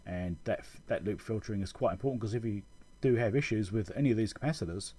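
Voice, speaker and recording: A husky, fairly low male voice, soft-edged and relaxed, moves quickly through a technical explanation. This electronics repair video host keeps it casual over schematics, like someone reasoning aloud while teaching.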